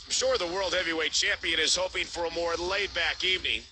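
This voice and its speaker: A man's voice: a little high, steady tone, a little fast, noisy background, natural voice. A man voicing a wrestling commentator in a video game, giving scripted, upbeat broadcast-style commentary. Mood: excited.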